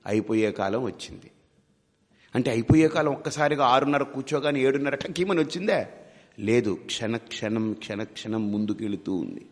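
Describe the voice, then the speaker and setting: A man's voice: mid-range voice, animated, moderate pace, long reverb tail. A man teaching as a spiritual guide in a devotional discourse. He asks many rhetorical questions and mimics his listeners as he talks.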